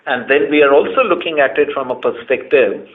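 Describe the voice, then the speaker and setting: A brisk, mid-range male voice comes from an Indian chief executive answering on an earnings conference call. He stresses his explanations and works through his points one at a time, and the call line makes the audio muffled and band-limited.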